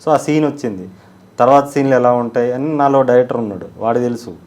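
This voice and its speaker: A man's voice: mid-range voice, fast, a little mellow. A man, a film director and actor, answering interview questions in a blunt, self-assured and emphatic way.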